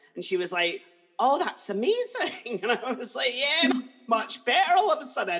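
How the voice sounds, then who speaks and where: Over noticeable background noise, a man uses a raised, projected voice at an extremely high pitch, with very wide pitch swings at a moderate pace. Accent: Scottish. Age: 20s. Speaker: podcast host. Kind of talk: casual chat. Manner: animated.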